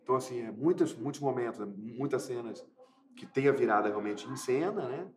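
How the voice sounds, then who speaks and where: A man from Minas Gerais, an actor answering interview questions in a relaxed, hesitant way with many restarts. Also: medium pitch, fairly quick, roomy sound, a little hiss or hum. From Minas Gerais, Brazil. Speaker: actor interviewed about his film.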